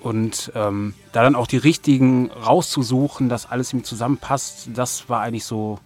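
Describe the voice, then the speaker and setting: A man giving casual, colloquial interview answers, often halting mid-sentence as he thinks. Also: mid-range voice, fairly even intonation, faint music behind. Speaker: interview guest, music producer of an audio drama.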